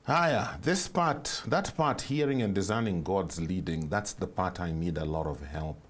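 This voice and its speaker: A man's voice: low voice, unhurried. A middle-aged man with a Kenyan accent, chatting casually and animatedly as a studio interview host. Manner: animated, switches between English and Swahili. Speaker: TV show host.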